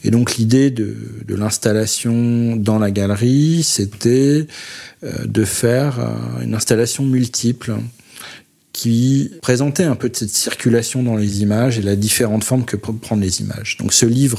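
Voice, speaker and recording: In a very clean recording with a silent background, a man of medium pitch speaks at a fairly slow pace with fairly even intonation. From Paris. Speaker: photographer. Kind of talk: interview answer. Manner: slow, thoughtful.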